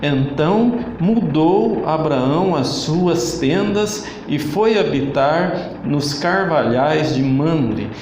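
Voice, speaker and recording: A man's voice: fairly high pitch, animated, a little mellow, roomy sound, a little hiss or hum, low-quality recording. A man from Brazil with a Brazilian Portuguese accent, preaching an online sermon as church leader and calling for answers from the congregation. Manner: slow, emphatic preaching with call-and-response. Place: church hall.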